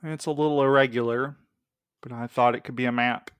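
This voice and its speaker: A man's voice: medium pitch, fairly even intonation, brisk, clear, resonant tone, no room sound, close to an everyday voice. An actor playing a weary, guarded young man in an audio drama, with a subdued, terse delivery. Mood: earnest, intent. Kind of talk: naturalistic audio drama acting.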